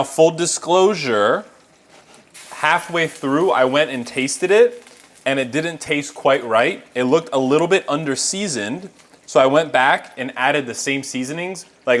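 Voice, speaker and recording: A man's voice: mid-range voice, unhurried, fairly bright tone. A man giving a casual, chatty cooking demonstration, explaining each step directly to viewers as a home cook. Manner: chatty, instructive, talking to viewers. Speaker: home cook presenting a recipe.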